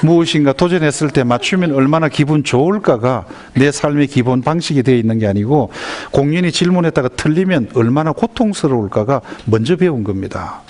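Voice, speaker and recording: Lively male lecturer. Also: mid-range voice, a little fast, hardly any pauses. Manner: lively, asks the audience questions. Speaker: lecturer on school violence prevention. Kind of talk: lecture to parents.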